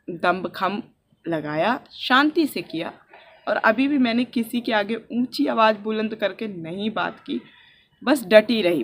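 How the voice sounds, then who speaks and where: A young woman from India talking softly and earnestly in a personal vlog, recorded outdoors on a rooftop with a phone on a selfie stick. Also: on the high side, slight background noise. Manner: earnest and heartfelt, speaking softly. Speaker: vlogger.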